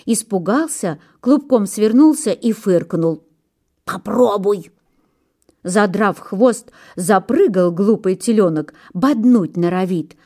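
A woman narrating fairy tales in a storybook reading, measured and expressive in her delivery. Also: mid-range voice.

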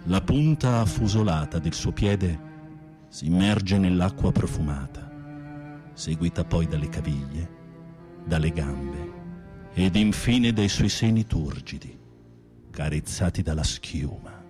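An actor playing a flamboyant, flirtatious gay professor in prison, theatrical, teasing and arch, in a radio drama. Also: male voice, deep voice, measured pace, over music. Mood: languid, sensual.

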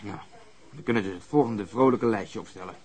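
A man's voice: fairly low pitch, brisk, darkish tone, lightly acted. A man acting in a radio drama as a brusque, sardonic police detective with a matter-of-fact delivery. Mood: sardonic, disgusted. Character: brusque, cynical, sarcastic male police detective.

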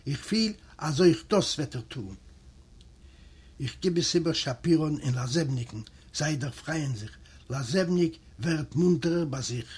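A man's voice: on the high side, animated, unhurried, darkish tone, breathy edge. A man with an Eastern European Yiddish accent, a native Yiddish speaker, reading a literary memoir aloud and voicing the characters in its dialogue. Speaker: audiobook reader.

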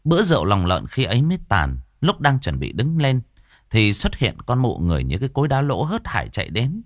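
A man telling a comic folk tale in a lively, mocking way. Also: medium pitch, brisk, dry recording. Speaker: storyteller. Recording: dry close voice.

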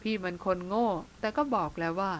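A woman's voice: mid-range voice, brisk, slight background noise, natural voice. A woman reading the part of a bearded older brother who speaks bluntly and teases his younger sister. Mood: teasing. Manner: blunt, teasing, plain-spoken. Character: teasing bearded older brother, blunt but tender man.

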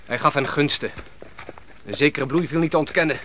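An actor playing a respectful, sober-minded soldier in a radio play, speaking earnestly. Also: male voice, on the high side, brisk, fairly bright tone, slight background noise, natural voice. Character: deferential soldier, sober-minded aide to his commander.

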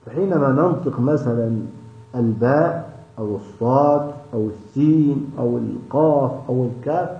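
Hesitant male tajweed teacher, echoey. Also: medium pitch. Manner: hesitant, with many restarts and drawn-out fillers. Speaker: Quran recitation teacher. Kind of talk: explaining tajweed in a class session. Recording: echoey, dull lo-fi room recording.

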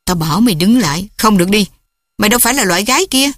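A woman's voice: medium pitch, expressive, rapid-fire, a bit bright. A woman voicing a stern, domineering old father who scolds sharply. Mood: harsh.

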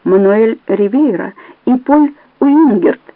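A terrified middle-aged male banker begs and sobs in a high, strained voice, put on by a woman reading the story. His words come slowly and unevenly. The audio is dry and narrow, like a phone line. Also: animated, no echo. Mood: frightened confession. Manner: shrill, whimpering, sobbing pleas.

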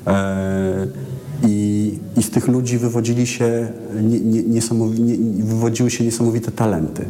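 Speaking in a warm, fairly low voice with a steady tone, a man from Poland reflects on his music in an interview. He is thoughtful and halting, repeatedly starting words over, while long reverb and clear background music fill the recording.

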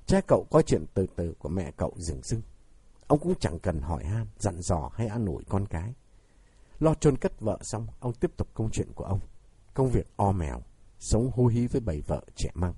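Husky man narrating an audiobook. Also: lowish voice, sing-song, normal speed, dark tone, no echo.

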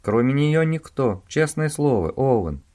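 A man's voice: medium pitch, big pitch swings, a little slow, warm tone, pitched above the performer's own voice. A man voicing a frightened accomplice who pleads and swears he did nothing wrong. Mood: pleading. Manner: pleading, whining. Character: whiny, frightened male accomplice.

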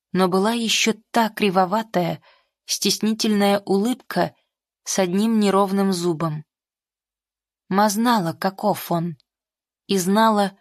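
A woman narrating an audiobook with an even, measured reading. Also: mid-range voice, dry recording, studio quality. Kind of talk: scripted narration of a novel.

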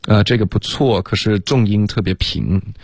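Deep-voiced man coaching pronunciation. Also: darkish tone, slightly rough, dry recording, clean studio sound. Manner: corrective, models English words slowly. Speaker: English pronunciation teacher. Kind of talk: radio lesson, correcting callers.

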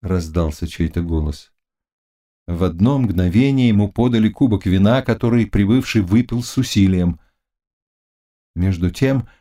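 Male classic-novel narrator, unhurried and expressive. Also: on the low side. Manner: slow, expressive storytelling. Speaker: audiobook narrator.

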